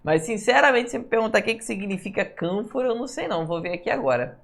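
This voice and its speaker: A woman's voice: mid-range voice, gravelly. A woman, teaching Portuguese for civil service exams and going through answers, often checking in with her students and drawing words out when she stresses a rule. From Brazil. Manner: lively, stretches words slowly when stressing a rule, asks "tá, pessoal?". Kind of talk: online exam-prep lesson going through answers.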